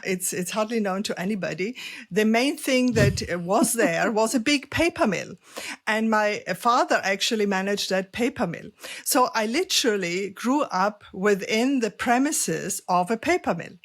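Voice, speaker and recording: Woman in her 50s, grew up in austria, calm thoughtful podcast guest. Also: medium pitch. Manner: measured, thoughtful, with fillers and light laughs. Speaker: guest, chemist and sustainability expert. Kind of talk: podcast interview.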